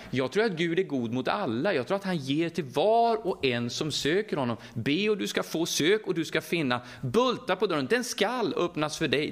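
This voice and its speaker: A middle-aged Swedish man with a Västergötland accent, preaching a lively, conversational sermon and often asking the audience questions. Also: a little high. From Sweden, Västergötland.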